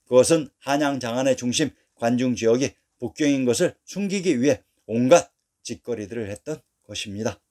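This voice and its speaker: A man narrating a scripted history lesson in a steady, declarative reading voice, posing rhetorical questions along the way. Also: mid-range voice.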